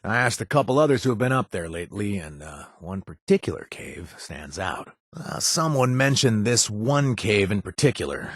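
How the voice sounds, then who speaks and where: Sly sarcastic wasteland drifter for a game, lowish husky voice, swings up and down a lot, dry studio sound. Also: male voice, sing-song, moderate pace, few pauses, dry recording, full character voice. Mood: wry. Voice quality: hesitant, full of "uh" and trailing asides. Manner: sly, sarcastic, offhand delivery. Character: wry shady male wasteland drifter, joking and evasive. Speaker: game companion character. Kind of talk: video game voice lines. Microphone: close studio mic.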